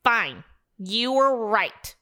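A man putting on a shrill whiny guy. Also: big pitch swings, extremely slow, pushed and bright, clear, resonant tone, exaggerated voice. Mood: indignant. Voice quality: shrill, high and strained. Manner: squeals and protests in outbursts. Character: whiny excitable grown man, easily outraged.

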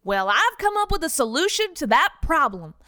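Brief: Southern cowboy pizza tycoon, high bright folksy drawl, set back from the mic. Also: male voice, moderate pace, heavily acted. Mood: confident. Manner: folksy drawl, calm authority. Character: confident male cowboy pizza company founder. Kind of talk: narrated comedic audio story.

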